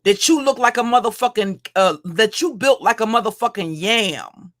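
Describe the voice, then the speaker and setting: Woman streamer, deep heavy voice, taunting and crude, loops back over her own lines. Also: lively intonation, moderate pace, a bit bright. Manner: mocking, insulting, repeats and restarts phrases. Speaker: livestream commentator. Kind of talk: profane roast rant.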